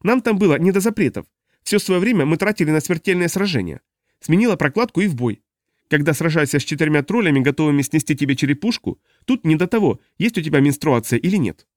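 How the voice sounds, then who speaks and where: A fiery young half-orc swordswoman, put on by a man, blunt and indignant. Her voice sits noticeably higher than the reader's own. The recording is dry and close. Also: animated, fast, no echo, close to an everyday voice.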